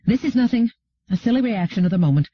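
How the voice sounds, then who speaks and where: Proud, clipped noblewoman, read by a male narrator; lively, husky. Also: sits high, quick pace, voice pushed up. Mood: sharp. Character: stern grieving woman aristocrat, proud. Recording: dull lo-fi recording.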